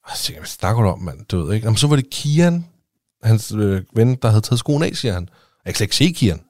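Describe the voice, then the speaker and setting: A man with a fairly low voice recounts a story in relaxed podcast chat. He acts out the dialogue as he goes and drops the odd curse word. The sound is dry and close, with no room echo. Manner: animated storytelling, swearing, acting out dialogue. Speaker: podcast co-host. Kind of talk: casual chat.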